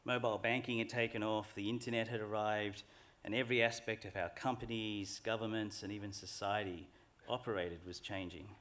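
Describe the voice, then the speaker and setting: Measured man giving a ceremony address. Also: lowish voice, little pitch movement, a bit bright. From Australia. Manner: measured, earnest, reflective speech delivery. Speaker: graduation speaker. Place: large ceremony hall.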